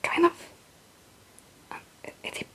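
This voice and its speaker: A woman's voice: slow pace, fairly bright tone. A young woman who is a non-native English speaker whispers in a casual, rambling ASMR chat, often hesitant and self-deprecating. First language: not English. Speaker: ASMR video creator.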